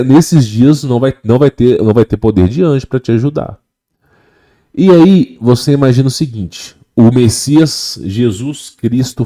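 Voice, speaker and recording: A Brazilian man preaching in an impassioned, emphatic way, repeating key phrases for weight. His voice is mellow and dark in tone, and his pitch jumps up and down with great animation. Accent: Brazilian Portuguese. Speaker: online religious speaker. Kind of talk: impassioned religious talk.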